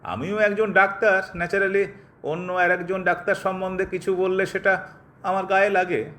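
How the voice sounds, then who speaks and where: Actor as a touchy doctor, fairly high-voiced. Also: male voice, little pitch movement, normal speed, a bit bright. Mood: offended. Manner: clipped, peppered with English words. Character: touchy, impatient young doctor, bored and uneasy listener. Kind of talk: Bengali audio drama acting.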